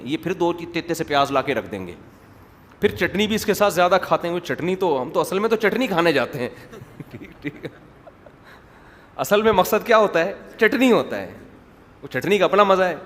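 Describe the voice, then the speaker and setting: Joking preacher, fairly high voice, echoey hall. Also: male voice, a bit bright. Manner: chatty, joking storyteller. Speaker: Islamic preacher. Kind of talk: sermon with humorous digressions. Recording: echoey hall with faint background noise.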